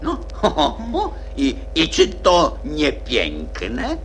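Blustering sea creature, wildly swooping. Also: male voice, on the high side, huge pitch swings, very slow, a bit bright, soft background music, heavily acted. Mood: sentimental, proud. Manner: blustering, stammering, exclaiming. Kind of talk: radio play acting.

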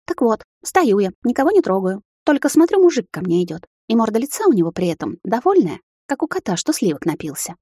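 A woman's voice: medium pitch, big pitch swings, fast talker, hardly any pauses, mellow, no echo, studio quality, pitched above the performer's own voice. A woman voicing the narrator's young sister, agitated and indignant.

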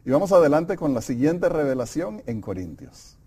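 A middle-aged man co-leading a Bible study, calm and affirming as he reads scripture and comments. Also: on the high side, normal speed, slightly rough. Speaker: Bible lesson co-presenter. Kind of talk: conversational Bible study lesson.

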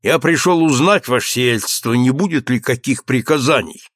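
A man's voice: mid-range voice, normal speed, a bit bright, no echo, studio quality, natural voice. Man playing a deferential estate steward. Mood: polite. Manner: polite, deferential. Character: deferential estate manager, a middle-aged man.

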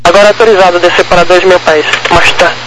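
A man's voice: sits high, steady tone, fast talker. A Brazilian man working as an air traffic controller, giving procedural instructions over a walkie-talkie style radio. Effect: radio transmission.

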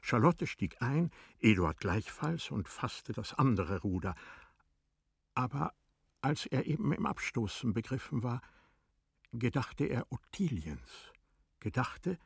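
A man narrating a literary radio play in a measured, deliberate manner, letting phrase endings drop to a hush. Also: medium pitch, gravelly, slightly rough, no room sound, clean studio sound.

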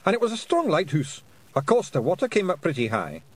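A man voicing a tiny, fierce fairy chief with a loud, gruff brogue. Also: fairly high pitch, sing-song, brisk, pitched above the performer's own voice. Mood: rowdy.

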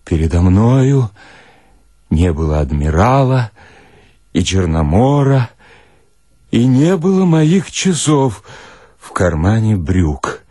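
Slow, highly expressive male storyteller. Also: dry recording, clean studio sound. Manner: expressive, dramatic, deliberate. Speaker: narrator, reader. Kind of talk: theatrical first-person literary story reading.

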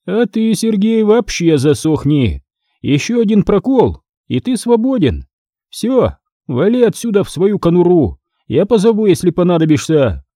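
Higher-pitched, taunting crime boss voiced by a man. Lively swings, mellow tone, dry close sound. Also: unhurried, no room sound, heavily acted. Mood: scornful. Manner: taunting, barked threats and sly mockery. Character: sneering crime boss, mocking and menacing man.

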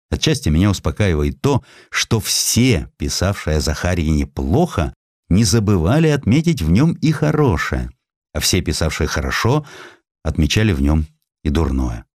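A man narrating a literary audiobook in an expressive, dramatic and emphatic storytelling manner. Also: low-pitched, no room sound, clean studio sound.

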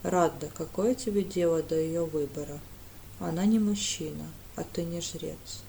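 A woman voicing a gloomy, reserved male priest who speaks coldly and evenly in a lowered voice. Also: gravelly, mellow, a little hiss or hum. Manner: cold, measured, low-voiced.

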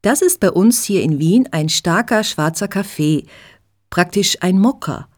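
A woman's voice: medium pitch, lively intonation, measured pace. A woman voicing a cheerful young woman who patiently explains things to a friend, in a storybook reading. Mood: friendly.

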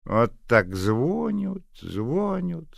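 A man doing a shrill, spiteful old busybody woman. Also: sing-song, very slow, gravelly, dry recording, studio quality, heavily acted. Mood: grumbling. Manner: shrill, sneering, scolding.

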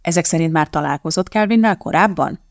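Felolvasó által megszólaltatott buzgó tiszteletes. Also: male voice, fairly high pitch, dry recording, clean studio sound, close to an everyday voice. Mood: earnest. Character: eager, earnest male reverend.

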